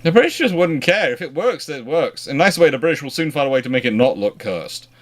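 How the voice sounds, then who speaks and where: A man hosting an informal history question-and-answer chat, talking in a discursive, halting way and often rephrasing mid-sentence. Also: fairly high pitch, sing-song. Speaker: naval history livestream host answering questions.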